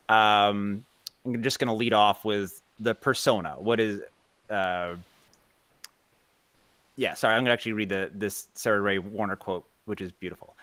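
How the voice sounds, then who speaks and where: A man giving an informal panel presentation, halting and often rephrasing as he thinks aloud. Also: lowish voice, a bit bright, smooth, no echo. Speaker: panelist and podcast creator.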